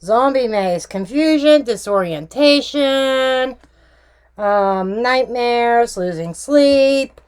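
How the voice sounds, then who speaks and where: A woman's voice: fairly high pitch, lively intonation, very slow, smooth. A woman hosting a casual true crime tarot reading vlog, chatty and emphatic with slangy asides. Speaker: tarot reader and true crime channel host.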